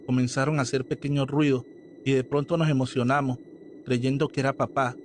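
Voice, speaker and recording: A man reading a scripted horror story aloud as narrator, in a slow, measured storytelling manner. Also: mid-range voice, level tone, a little mellow, a little hiss or hum. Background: faint background music.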